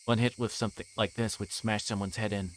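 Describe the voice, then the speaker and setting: A man's voice: on the low side, little pitch movement, fairly quick, a little hiss or hum, low-quality recording. A man livestreaming a visual novel, reading the text aloud and sometimes stumbling and correcting himself.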